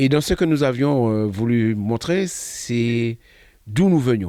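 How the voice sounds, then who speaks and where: On a very clean recording with a silent background, a man with a medium pitch and a dark, mellow tone speaks at a very slow pace with lively intonation. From Martinique. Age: 60s. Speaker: community association president. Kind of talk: interview testimony. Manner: halting.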